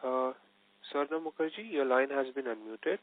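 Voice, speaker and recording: A man's voice: medium pitch, lively intonation, moderate pace, no echo. A man, a conference call moderator making polite, scripted announcements. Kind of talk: formal announcements. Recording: phone line.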